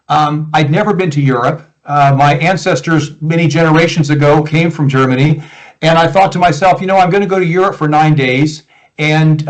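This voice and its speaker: A man in his sixties with an American Midwest accent, a guest coach answering interview questions in a relaxed, reflective way over a video call. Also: fairly high pitch, low-quality recording. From United States, Iowa. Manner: relaxed, reflective, with frequent restarts.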